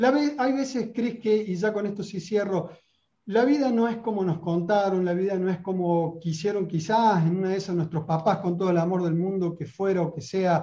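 A man with an Argentine accent, high in pitch, with ordinary pitch variation, a dark, mellow tone and a moderate pace. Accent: Argentine Spanish (voseo). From Argentina. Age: 40s. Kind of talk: interview conversation.

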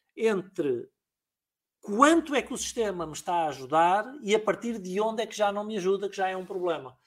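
With a European Portuguese accent, a man speaks at a moderate pace in a high pitch, on a very clean recording with a silent background. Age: 40s. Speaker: business speaker and consultant. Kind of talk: live-streamed business podcast chat. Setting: live stream.

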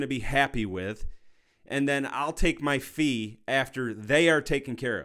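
On a very clean recording with a silent background, a man uses a normal speaking voice at a fairly high pitch with ordinary pitch variation. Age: 40s. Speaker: podcast host and hail repair shop owner. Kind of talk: casual solo podcast monologue. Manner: casual, with many fillers.

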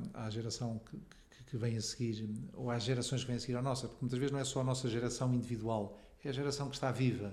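A man with a medium pitch talks at a very fast pace in a flat, monotone way, his voice somewhat breathy, with audible echo in the room. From Portugal, Lisbon. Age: 50s. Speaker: guest interviewee. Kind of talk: casual interview. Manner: hesitant, many fillers.

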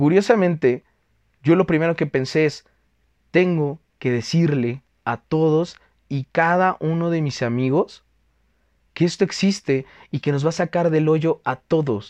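A man speaks at a fairly slow pace with long, frequent pauses, his fairly high voice carrying an energetic tone and ordinary pitch variation, recorded dry and close with no echo against a quiet background. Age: 20s. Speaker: network marketing team member. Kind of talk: motivational talk.

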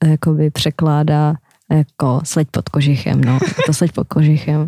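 With a dark, mellow tone and a very deep, low pitch, a woman speaks at a fairly slow pace with ordinary pitch variation in a dry, close sound with no echo. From Ukraine. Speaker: university student. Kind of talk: casual chat. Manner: hesitant, with fillers.

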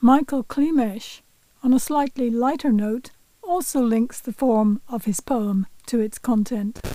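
This woman has a high pitch with ordinary variation and a dark, mellow tone. She talks at a fairly slow pace. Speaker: podcast host. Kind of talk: scripted narration.

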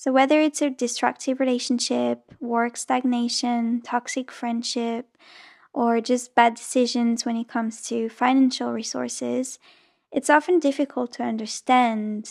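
A woman with a non-native accent speaks at a fairly slow pace in a high pitch. The recording is very clean, with a silent background. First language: not English. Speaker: podcast host. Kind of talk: solo reflective monologue.

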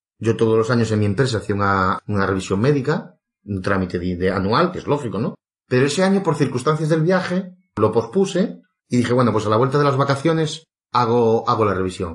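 A man at a fairly quick pace, medium pitch, very wide pitch swings, somewhat breathy. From Andalusia (Chiclana, Cádiz). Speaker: dialysis patient and salesman. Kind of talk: interview. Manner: halting.

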